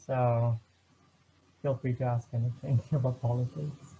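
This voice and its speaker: A man's voice: mid-range voice, level tone, a little slow, warm tone, muffled recording, a little hiss or hum. A young man from Sweden, a student, introducing himself casually. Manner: casual, easygoing. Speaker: student ambassador.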